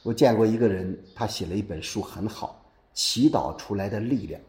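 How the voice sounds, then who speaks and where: A man's voice: fairly low pitch, normal speed, warm tone. A Catholic priest preaching a sermon and asking his listeners rhetorical questions. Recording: echoey room.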